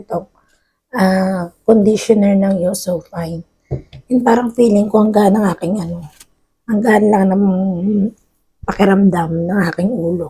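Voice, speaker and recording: A woman speaks at a moderate pace in a medium pitch, somewhat breathy, with a dark, mellow tone and fairly even intonation. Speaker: beauty vlogger. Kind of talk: product review. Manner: halting.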